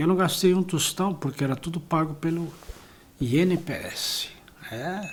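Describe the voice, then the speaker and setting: Long, frequent pauses break up fairly slow speech with fairly even intonation, and noticeable background noise sits behind it. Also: man, high pitch for a man. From Brazil, São Paulo. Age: 70s. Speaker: holistic therapist and course instructor. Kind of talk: informal talk to camera.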